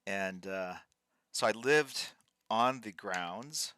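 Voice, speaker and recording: A man in his fifties hosts a livestream, chatting casually as he draws and reads out viewer names, halting as he thinks aloud. His fairly low voice is animated and sharp in tone, yet clear and resonant.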